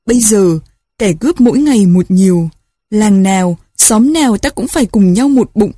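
A woman's voice: medium pitch, lively intonation, normal speed, dark tone, no echo, studio quality, close to an everyday voice. Woman reading a rousing old village orator. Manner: rousing, declamatory. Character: old village man rallying the crowd loudly.

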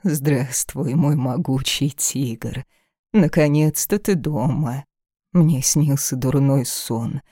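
A reader voicing the caliph's stern old grandmother, who speaks slowly and deliberately. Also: extremely low pitch, warm tone, slightly rough, dry recording, clean studio sound, exaggerated voice. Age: older.

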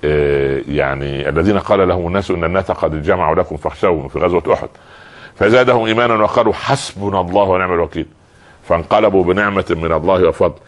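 Egyptian guy hosting a call-in advice show, really deep voice, talks quick. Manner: gentle, fatherly, answers callers patiently. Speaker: host.

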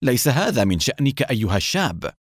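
A man voicing a calm, bitter older male doctor who speaks in measured, clipped phrases. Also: mid-range voice, husky, no room sound, studio quality. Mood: cold, clipped.

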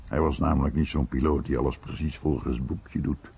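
A man giving a measured Dutch documentary voice-over of someone's recollections. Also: a bass voice, steady tone, gravelly, warm tone, breathy edge, full character voice. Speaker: voice-over translator. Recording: dull, muffled radio recording.

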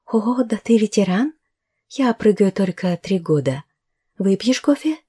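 A woman voicing a young foreign woman skydiver who talks in an easy, open and slightly halting way. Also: mid-range voice, animated, warm tone, breathy edge, voice pushed up. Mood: friendly.

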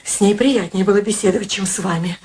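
A woman's voice: mid-range voice, fast talker, very noisy, lightly acted. An actress playing a proud, stubborn single woman in a radio play, with a sardonic, insistent manner. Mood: wry, hurt.

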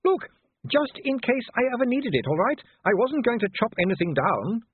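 A man doing an excitable young woman. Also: very high-pitched, moderate pace, a little hiss or hum, pitched above the performer's own voice. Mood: guilty. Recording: tinny phone-band sound.

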